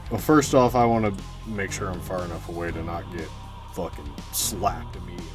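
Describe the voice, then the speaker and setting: Low-voiced male gamer over music. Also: a little fast. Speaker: player in a tabletop role-playing game. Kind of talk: casual table talk. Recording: music playing clearly behind the voice.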